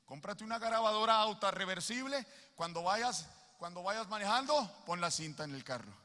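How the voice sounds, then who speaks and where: A man preaching a sermon at a youth gathering, impassioned and building to shouted peaks. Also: high voice, expressive, moderate pace. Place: large hall at a youth gathering. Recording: long hall reverb.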